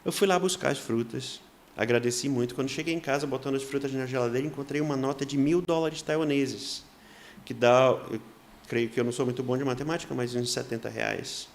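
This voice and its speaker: A man's voice: mid-range voice, fast, slight background noise. A man, a missionary guest, telling a personal faith story in an earnest way, acting out what people said to him. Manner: earnest, acts out quoted dialogue in lively voices.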